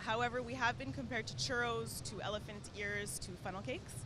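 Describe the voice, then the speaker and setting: A woman talks at a fairly quick pace. The sound is dry with no echo, though there is noticeable background noise. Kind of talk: interview answer. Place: hall. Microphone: handheld.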